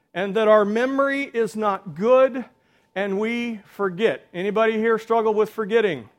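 Very slow in pace, a man with an American accent talks at a high pitch with ordinary pitch variation. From northern US. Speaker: pastor. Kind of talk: sermon. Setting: church.

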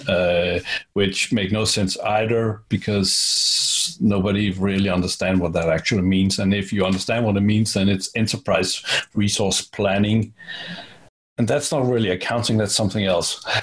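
A man's fairly low-pitched, somewhat breathy voice in a Danish accent, with very even loudness. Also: fairly even intonation, moderate pace. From Denmark. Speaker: software consultant and author. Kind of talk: interview. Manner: halting, many repetitions.

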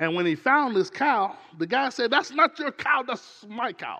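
With a bright, sharp and animated tone, a man speaks at a fairly slow pace with very wide pitch swings against a quiet background. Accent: South Carolina. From US South, South Carolina (Dillon). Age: 40s. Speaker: pastor. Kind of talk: sermon. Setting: church.

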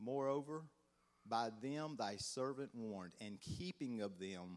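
Lively intonation marks this man's speech. He talks at a very slow pace. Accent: Southern US. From Georgia, US South. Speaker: lay teacher. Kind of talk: church lesson. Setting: church. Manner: casual, conversational.

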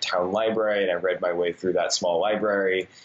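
A man's fairly low voice with an American accent, amid noticeable background noise. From Northern California, US. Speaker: author and freelance editor. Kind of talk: interview.

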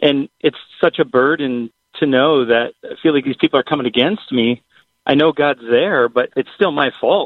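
Fairly high in pitch, a man talks with ordinary pitch variation. It is a normal speaking voice. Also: moderate pace. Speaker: caller. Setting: phone call.

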